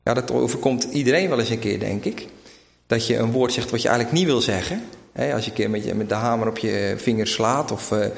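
A Zeeland man with a light Zeeuws-Vlaams Dutch accent preaches a sermon, retelling the story emphatically and acting out the quoted lines. His voice is medium-pitched, fairly quick and creaky. The recording is in an echoey hall with long reverb.

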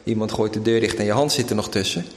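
A man's voice: on the low side, fairly even intonation, quick pace, a little hiss or hum. A man from Zeeland with a light Zeeuws-Vlaams accent, preaching a sermon and retelling the story emphatically, acting out the quoted lines. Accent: Zeeuws-Vlaams Dutch. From Zeeland, Netherlands. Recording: echoey hall with long reverb.

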